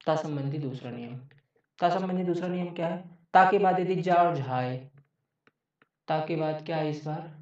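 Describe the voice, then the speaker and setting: A man's voice: fairly high pitch, normal speed, long pauses. Man teaching in an echoey room. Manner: repeats each point, checks with frequent "okay". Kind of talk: exam-prep grammar lecture. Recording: echoey, distant, dull mic.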